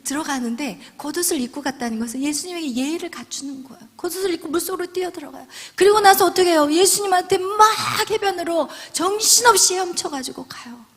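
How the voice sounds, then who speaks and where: A woman preaching a sermon. Her delivery swings from loud, emphatic lines down to hushed whispers. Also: very high voice. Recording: long hall reverb.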